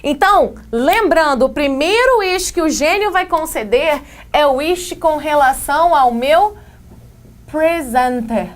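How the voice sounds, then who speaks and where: A woman with a Brazilian Portuguese accent teaching English grammar in a casual, slangy video lesson, reading example sentences slowly. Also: sits high, animated. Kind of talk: video lesson for exam prep.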